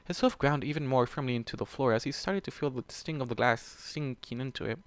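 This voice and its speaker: A man's voice: medium pitch, brisk, clear, resonant tone, dry recording. A man reading a story aloud dramatically as a channel host, emotionally invested and dropping casual, profane reactions. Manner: emotionally invested, exasperated asides. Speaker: fan fiction reader and channel host.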